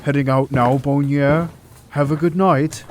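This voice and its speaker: A man's voice: on the high side, fairly even intonation, measured pace, noisy background, lightly acted. A man playing a courteous but stern senior male doctor in an audio drama, with formal diction. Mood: polite. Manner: formal, polite, firm. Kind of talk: amateur audio drama acting.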